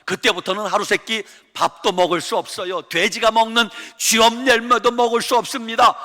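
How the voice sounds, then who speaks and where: Man preaching with bright voice in a reverberant church. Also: high voice, moderate pace. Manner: animated storytelling, acting out voices of people in the stories; swings from loud exclaiming to hushed murmuring. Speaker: senior pastor. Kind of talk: Sunday sermon. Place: church sanctuary.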